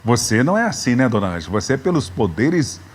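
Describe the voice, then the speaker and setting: A man's voice: mid-range voice, very animated, fast talker, breathy edge. A man in his fifties with a São Paulo accent, a pastor hosting a live church webcast and drawing out his greetings. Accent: Brazilian Portuguese, São Paulo. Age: 50s. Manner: warm greetings, stretched out and raised. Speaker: pastor and program host. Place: church building.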